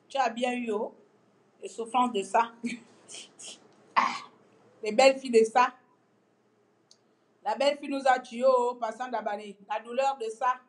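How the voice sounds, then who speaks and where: A Gabonese-accented woman from Gabon ranting in a mocking, animated way in a casual vlog. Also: a little high. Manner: mocking, animated, breaks into song. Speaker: vlogger. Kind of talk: casual political rant.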